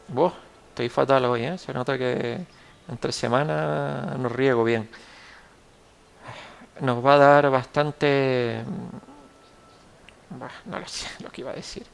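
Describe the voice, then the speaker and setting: Gravelly Canarian Spanish man thinking aloud. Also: mid-range voice, steady tone, slow, pauses often. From Canary Islands, Spain. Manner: rambling, self-correcting, thinking aloud. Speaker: gameplay tutorial host. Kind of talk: casual gameplay commentary.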